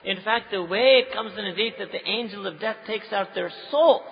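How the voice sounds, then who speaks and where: A Muslim preacher with a South Asian accent addresses a live audience in a high, creaky voice at a normal speed. He's an animated storyteller who switches languages and keeps checking in with listeners rhetorically. The sound is dull and muffled, echoing through a hall.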